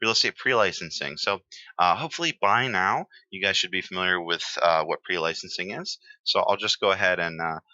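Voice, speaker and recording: A man teaching real estate exam terms in a relaxed, chatty lecture, with many fillers and pauses. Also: low-pitched, dry recording, highs cut off.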